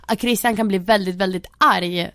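A woman's voice: medium pitch, fairly bright tone, no echo. Teasing young woman on a dry mic. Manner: teasing, mimics others mid-story. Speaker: podcast co-host. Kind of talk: casual chat.

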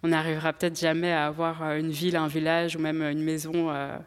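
A woman's voice: deep voice, level tone, a little fast, smooth, big-room sound. A woman from Strasbourg speaking candidly and hesitantly as a podcast guest, in a wistful tone. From Strasbourg, France. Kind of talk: personal testimony in a podcast conversation.

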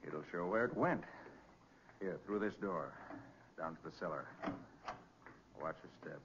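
An actor playing a confident, commanding detective with clipped delivery in a 1940s radio crime drama. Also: male voice, sits low, lively intonation, unhurried. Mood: hushed, careful. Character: confident male detective, quick-thinking, commanding and dryly terse. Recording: dull, noisy old radio recording, reverberant.

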